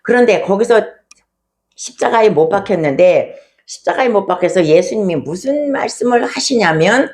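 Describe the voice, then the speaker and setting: A woman's voice: medium pitch, animated, normal speed, darkish tone. A woman pastor preaching a sermon in a conversational storytelling way, often asking rhetorical questions.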